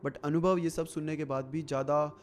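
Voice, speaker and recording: A man hosting a show, narrating a scary true story in a relaxed, conversational way. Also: on the high side, moderate pace, a little hiss or hum. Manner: conversational, relaxed retelling with fillers. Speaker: horror story narrator and host. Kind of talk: casual storytelling.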